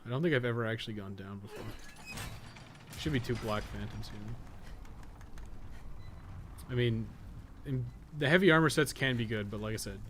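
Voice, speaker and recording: Male game streamer, average pitch, talking viewers through gameplay casually with some swearing; noisy recording. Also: a bit bright. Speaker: game streamer and guide host. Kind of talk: casual live gameplay commentary.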